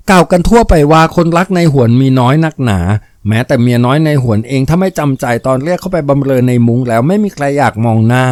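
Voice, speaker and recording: A man narrating a novel aloud in a steady, vivid storytelling manner. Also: medium pitch, no echo, clean studio sound. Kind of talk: dramatic novel reading.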